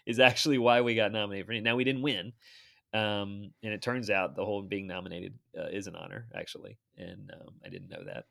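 Middle-aged male guest, low gravelly voice, lively storyteller who acts out the people in his stories. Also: a little fast. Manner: animated, laughs often, acts out quoted voices. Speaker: TV producer and guest. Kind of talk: casual storytelling interview.

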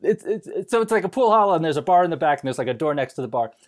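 A woman's voice: low-pitched, lively intonation, very fast, darkish tone. A woman in casual comedic podcast banter about a film, giggly, sweary and mock-indignant, restarting her phrases as she goes. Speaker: podcast speaker discussing a film.

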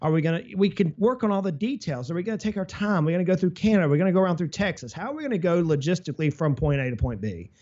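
Upbeat male advisor, slightly high voice, conversational, muffled lo-fi audio. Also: racing, hardly any pauses. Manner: energetic, explains with travel analogies and hypothetical quotes. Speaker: financial advisor guest. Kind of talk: casual business podcast talk.

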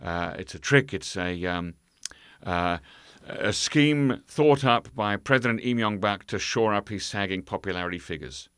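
Lowish guy rambling through a story, um uh everywhere, smooth voice, dry close sound. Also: unhurried, fairly bright tone, no room sound. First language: English. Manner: hesitant, many fillers and restarts. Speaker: guest. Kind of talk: conversational storytelling.

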